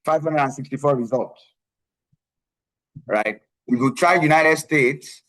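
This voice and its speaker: A man's voice: on the high side, a little slow, a bit bright, low-quality recording. A man coaching a live online class on tech careers, speaking emphatically, repeating key phrases and often checking in with "right?". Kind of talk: live online presentation with screen share.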